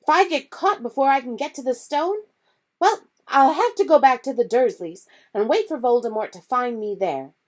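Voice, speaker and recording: A woman's voice: high-pitched, lively intonation, normal speed, pitched above the performer's own voice. A woman reading aloud voices a determined young teenage boy who speaks with urgent, impassioned force. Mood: defiant. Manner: urgent, impassioned, rising to shouting.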